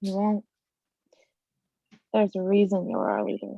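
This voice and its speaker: A woman's voice: medium pitch, very animated, unhurried, vocal fry, warm tone, no room sound, lo-fi sound, full character voice. A woman reading the part of a steadfast, plucky miner's wife and mother in a screenplay table read, over thin call audio. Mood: reassuring.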